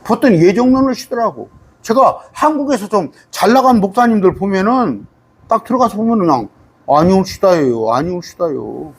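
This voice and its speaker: A middle-aged male pastor teaching scripture in a lively, rising-and-falling voice that sits a little high for a man. He talks in a loose, conversational way, tosses rhetorical questions at his listeners, and slows right down when he reads verses aloud. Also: breathy edge. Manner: reads scripture aloud slowly, sometimes singing it. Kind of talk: bible study sermon.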